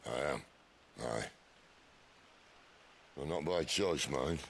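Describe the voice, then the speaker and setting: Game role: worldly British rogue, wry, gravelly and lively, insect buzz behind. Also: male voice, extremely low pitch, a little hiss or hum, exaggerated voice. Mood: resigned. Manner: wry, folksy, unhurried banter. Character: roguish, wry, worldly male outlaw, middle-aged. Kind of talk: cinematic video game acting.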